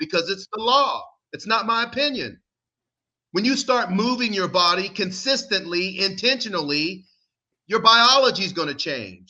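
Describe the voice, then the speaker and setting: A man projects a raised voice with a high pitch and a bright, sharp tone. His intonation is lively, and he keeps a moderate pace. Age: 60s. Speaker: fitness and life coach. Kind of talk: podcast interview. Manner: animated.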